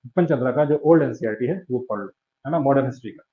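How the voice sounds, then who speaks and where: A man's voice: mid-range voice, fast, phone-quality sound. A male teacher gives exam advice in a conversational coaching-class lecture and keeps checking in his students.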